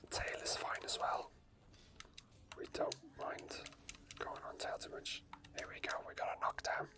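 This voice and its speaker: A man speaks in a soft, breathy whisper throughout, with barely any voicing. He gives unscripted ASMR commentary on a video game as he plays. His delivery is murmured and hesitant, full of small asides. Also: measured pace. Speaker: game streamer.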